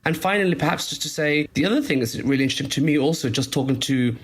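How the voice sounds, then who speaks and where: A man reporting as a guest on a discussion panel, explaining at length in a measured way with frequent fillers. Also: on the high side, animated, breathy edge.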